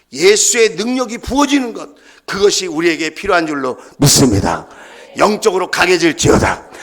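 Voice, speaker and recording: High-voiced, dramatic male pastor preaching. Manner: emphatic, repeats phrases in rising waves; swings from shouted calls to hushed near-whispers. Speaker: senior pastor. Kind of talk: Wednesday prayer-meeting sermon. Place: church sanctuary.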